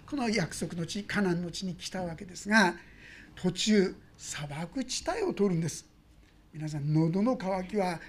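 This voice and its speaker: A woman pastor preaching a sermon, telling the story with lively swings between loud exclamations and hushed asides. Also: mid-range voice.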